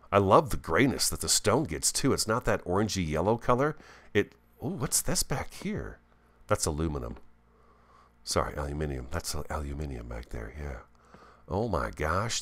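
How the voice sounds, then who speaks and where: Deep-voiced, animated man with a swollen tongue. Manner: chatty, thinks aloud, easily excited. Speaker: gaming video host. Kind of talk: casual gameplay commentary.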